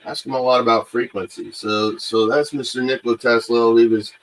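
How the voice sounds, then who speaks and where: A man with a mid-pitched voice hosts a casual paranormal livestream. He speaks unscripted and haltingly, often pausing on filler sounds as he gathers the next phrase. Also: fairly even intonation, rough recording. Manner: halting, hesitant delivery with frequent pauses and filler sounds. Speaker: host of a paranormal investigation livestream.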